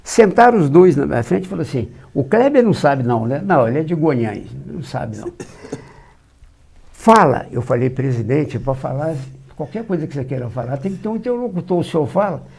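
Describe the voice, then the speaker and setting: An older man with a Minas Gerais accent, telling long anecdotes in a dark, husky voice. He is a lively raconteur who acts out the lines of the people in his stories. He speaks as a guest on an interview show. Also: on the high side, brisk. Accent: Minas Gerais Brazilian Portuguese. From São João del Rei, Minas Gerais, Brazil. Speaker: guest, journalist. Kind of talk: anecdotal storytelling.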